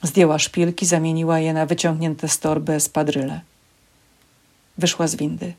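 A woman reading a passage of a novel aloud in measured, steady narration for a library program. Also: low-pitched. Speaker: audiobook reader for a library program.

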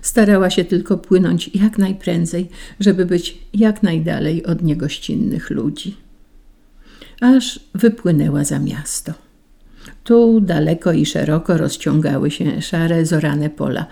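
A woman reading a children's story aloud in a gentle, measured way. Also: on the low side, steady tone, gravelly, husky.

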